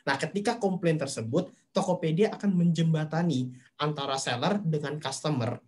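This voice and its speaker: A man's voice: fairly high pitch, normal speed, a little mellow. A man speaking for a marketplace company in a webinar, explaining step by step and leaning on fillers. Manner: explanatory, leans on fillers and "nah". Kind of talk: webinar presentation.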